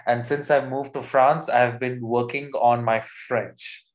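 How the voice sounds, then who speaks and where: A man's voice: medium pitch, fairly even intonation, measured pace, reverberant. A young man from South India with an Indian accent, answering interview questions in a friendly, explanatory way and often speeding up. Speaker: interview guest.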